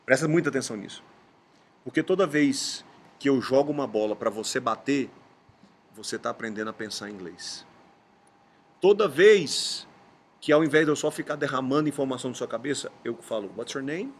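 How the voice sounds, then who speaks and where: A middle-aged man from Brazil, a podcast host and English teacher, explaining in a casual chat and stretching key words slowly for emphasis. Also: mid-range voice. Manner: explanatory, storytelling with emphatic slow stresses.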